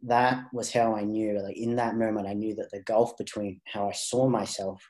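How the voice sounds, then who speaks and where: A man's voice: lowish voice, level tone, moderate pace, a little mellow. A man sharing his personal story as a podcast guest, speaking thoughtfully with frequent restarts and fillers. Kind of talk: candid personal interview.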